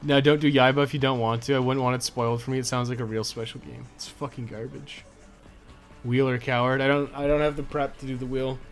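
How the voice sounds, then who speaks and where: A man's voice: mid-range voice, little pitch movement, a little fast, soft background music. A Canadian man chatting casually and irreverently on a video game live stream, rambling and swearing freely.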